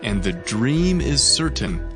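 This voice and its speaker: A man's voice: mid-range voice, very animated, takes it slowly, gravelly, heavily acted. An actor playing a grave, reverent prophet interpreting a king's dream in a dramatized scripture reading, in a declamatory, oratorical manner. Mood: grave, proclaiming. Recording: music bed behind the voice.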